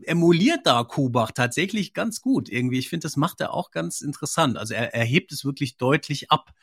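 A man's voice: fairly high pitch, expressive, a little fast, fairly bright tone, slightly rough, no room sound, clean studio sound. A man hosting a casual podcast discussion, hesitant and full of filler words. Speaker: podcast host.

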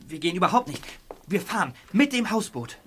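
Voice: mid-range voice, sing-song, brisk, a bit bright, slight background noise. An actor playing a decisive young boy who leads child detectives in a radio adventure. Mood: urgent, decisive. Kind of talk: German children's radio play acting.

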